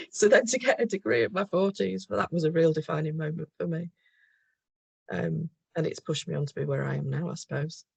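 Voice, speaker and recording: A woman's voice: deep voice, vocal fry, slightly rough, no echo. A middle-aged woman from the Liverpool area with a mild Liverpool accent, guest on an interview podcast, speaking thoughtfully with frequent ums and self-corrections. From England, Liverpool area. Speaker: guest, mental health nurse.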